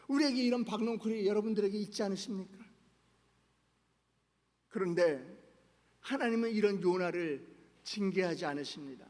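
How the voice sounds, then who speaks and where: A male pastor preaching a sermon with passion, asking his congregation questions and swinging from loud to hushed. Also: high-pitched. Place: church sanctuary. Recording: long reverb of a large church hall.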